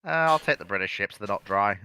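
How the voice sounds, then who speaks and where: A man in casual panel banter, contrary and quick to argue back. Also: lowish voice, animated, pushed and bright, clean tone.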